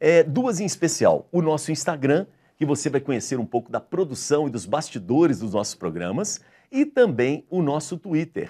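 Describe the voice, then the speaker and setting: A man with a dark, mellow tone and vocal fry speaks at a fairly high pitch and moderate pace. His intonation is lively against a quiet background. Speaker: TV talk show host. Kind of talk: interview show host. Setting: studio with some guests on video link. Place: studio. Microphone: lapel.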